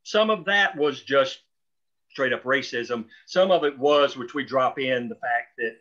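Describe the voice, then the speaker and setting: A man's voice: mid-range voice, a little slow, a bit bright, lo-fi sound. A man explaining storytelling choices in a group discussion, talking discursively as a writer of the show.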